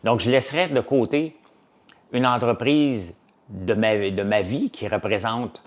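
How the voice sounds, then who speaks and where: A man's voice: mid-range voice, unhurried. A man with a Québécois French accent, a farmer and business owner, chatting casually to a live audience and rambling from topic to topic with many fillers.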